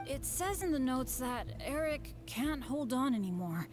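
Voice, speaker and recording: A woman's voice: sits high, very animated, unhurried. A woman playing an earnest, cheerful young adventurer who shrugs off danger in a video game. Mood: cheerful, reassuring. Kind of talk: scripted video game voice acting.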